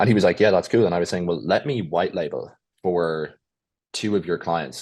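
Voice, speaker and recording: A man with an Irish accent speaks at a very fast pace in a very deep, low voice against a quiet background. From southeast Ireland. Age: 20s. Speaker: marketing agency owner. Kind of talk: podcast interview.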